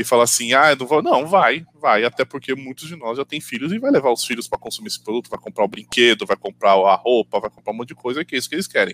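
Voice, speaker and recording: A man with a medium-pitched voice talks very fast with lively intonation and hardly any pauses, in a dry, close sound with no echo. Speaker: podcast guest. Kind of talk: casual chat.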